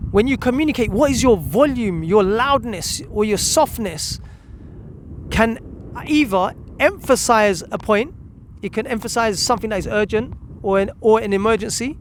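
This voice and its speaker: At a moderate pace, a high-voiced man delivers a direct instructional talk as a parenting coach in a video. He emphasizes key words by repeating them and poses rhetorical questions, with a little hiss or hum in the recording.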